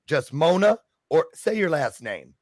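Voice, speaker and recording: A man's voice: on the high side, very animated, unhurried, a little mellow, no echo, studio quality. A man hosting a casual interview, chatty and joking, sometimes losing his train of thought. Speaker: interview host.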